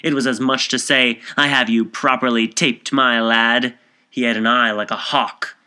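An opinionated middle-aged man, acted by a male reader, talks earnestly in a storybook. He is colloquial and prone to exclaim, with a bright, pressing voice. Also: medium pitch, steady tone, normal speed, clear, resonant tone. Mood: blustering reminiscence.

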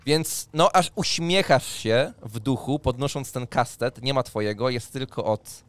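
A man narrating a tabletop role-playing game as game master, improvising in a halting way and repeating words. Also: mid-range voice, a bit bright, no echo. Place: indoor streaming room. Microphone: microphone on boom arm, close, with headphones.

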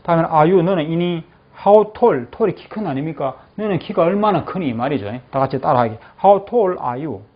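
A male English teacher in a classroom, saying phrases slowly and then explaining them, often checking that the class follows. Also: fairly high pitch, animated. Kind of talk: classroom lecture with repeat-after-me drills. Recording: dull lo-fi classroom recording.

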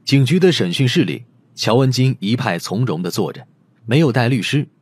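A man's voice: mid-range voice, lively intonation, moderate pace, breathy edge. A man reading a novel aloud as a dramatic audiobook narrator.

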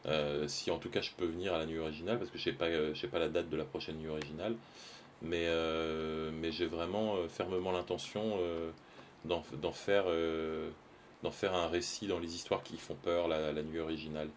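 A man's voice: rumbling low, little pitch movement, moderate pace, slight background noise. A man, chatting casually and hesitantly with his stream viewers while he draws live, full of fillers and restarts.

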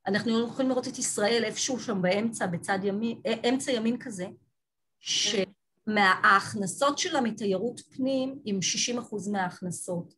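A woman giving an online lecture from slides on a video call, talking thoughtfully with frequent restarts and pauses. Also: fairly high pitch, a bit bright. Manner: thoughtful, halting, many restarts.

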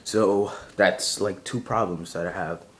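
Young male vlogger, lowish, sleepy morning voice, hesitant and filler-heavy, camera mic in a bedroom. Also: steady tone, a little slow. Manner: rambling, hesitant, many fillers. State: groggy morning voice, just woke up. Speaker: channel owner. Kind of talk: casual vlog. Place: bedroom at home.

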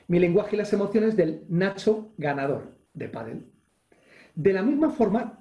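Spanish-male coach, online webinar, energetic and demonstrative, warm mellow tone, roomy echo over a video call. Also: high voice. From Spain. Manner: energetic, acts out gestures and exclamations, reads chat questions aloud. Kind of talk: live online leadership webinar.

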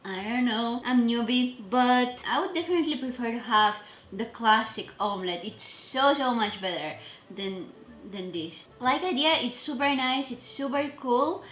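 In an echoey home kitchen with a little hiss or hum in the background, a woman vlogs as she cooks. She's chatty and self-deprecating, sometimes trailing off mid-sentence, and her slightly high, expressive voice is fairly bright and moves at a normal speed.

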